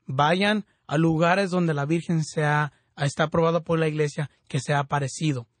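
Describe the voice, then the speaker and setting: A man's voice: on the high side, fairly even intonation, moderate pace, dry recording. A man hosting a Catholic radio show, speaking fervently in prayer and teaching with frequent restarts. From California.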